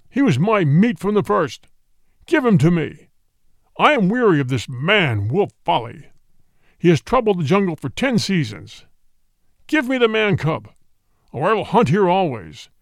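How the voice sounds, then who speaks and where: A man's voice: fairly high pitch, gravelly, no echo, clean studio sound, heavily acted. A man voicing a huge male tiger, full of hate and bullying, roaring his demands in a storybook reading.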